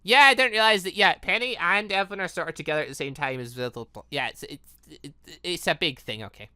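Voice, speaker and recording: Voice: medium pitch, quick pace, sharp tone, clear, resonant tone, no room sound. A let's-play host giving casual, rambling commentary on a visual novel, often stumbling over words. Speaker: gaming channel host reading and reacting to a visual novel.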